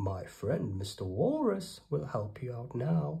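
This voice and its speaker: A put-on character voice, sing-song and gentle in tone, at a fairly slow pace with very wide pitch swings. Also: man, medium pitch for a man. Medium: read story. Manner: gentle, sing-song.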